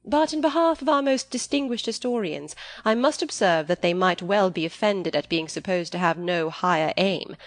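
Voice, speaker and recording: Woman reading as a teasing, witty young gentleman. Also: on the low side, expressive, normal speed, hardly any pauses, lightly acted. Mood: dryly formal. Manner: playful, mock-serious, formal phrasing.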